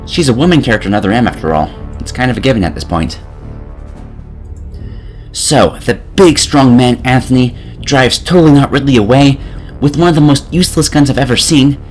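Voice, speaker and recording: A man narrating a scripted comedic video game review in a sarcastic, mock-dramatic manner. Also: medium pitch.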